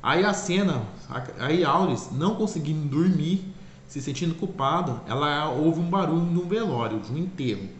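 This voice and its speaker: Rambling through a cartoon's plot, this man speaks animatedly at normal speed in a voice on the high side. He frequently corrects himself and says "é claro" again and again; the room is echoey with faint ambient noise.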